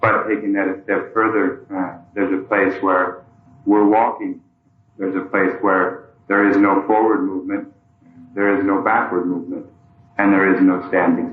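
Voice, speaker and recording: A man interpreting a monk's dharma talk into English as a live translation voice-over, calm and measured with frequent pauses of "uh". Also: low-pitched, a little hiss or hum. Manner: calm, measured, with frequent "uh" while rendering the teaching. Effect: translation voice-over following the original speaker. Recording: tinny, echoey old hall recording.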